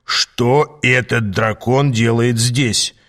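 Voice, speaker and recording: A man voicing a gruff, bossy, short-tempered demon mentor in an audiobook, barking his lines. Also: medium pitch, steady tone, extremely slow, a bit bright. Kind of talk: audiobook reading.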